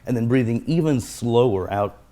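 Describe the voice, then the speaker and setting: A man's voice: medium pitch, lively intonation, moderate pace, warm tone. A man speaking as a guest therapist, explaining in an earnest conversational way and repeating his key phrases.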